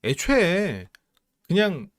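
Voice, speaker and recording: Animated man giving casual commentary. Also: high-pitched, extremely slow, dry recording, clean studio sound. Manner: animated, acts out quoted lines in raised voices. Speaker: psychology channel host reviewing a reality show.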